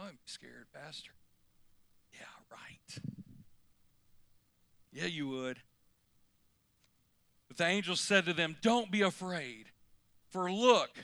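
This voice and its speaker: Male pastor, folksy sermon, bright forceful tone, dry close sound. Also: a little high, no echo. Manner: folksy, animated preaching with sudden loud climbs.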